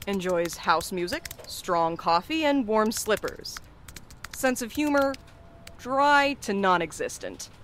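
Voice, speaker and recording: A woman's voice: medium pitch, very animated, takes it slowly, a bit bright, a little hiss or hum. A woman playing an irreverent young courier in an audio drama, with a wry, teasing, casual manner. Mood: playful. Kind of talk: naturalistic audio drama acting.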